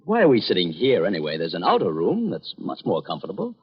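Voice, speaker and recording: Jittery young husband, husky and animated. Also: male voice, low voice, fast talker, full character voice. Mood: exasperated. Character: jittery young husband on honeymoon, protective and exasperated. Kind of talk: old-time radio drama acting. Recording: dull, muffled old radio recording.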